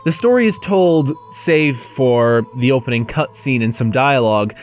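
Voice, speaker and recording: A man's voice: mid-range voice, expressive, normal speed, faint music behind. A man narrating a video game review in a casual, scripted style, blunt and casually profane.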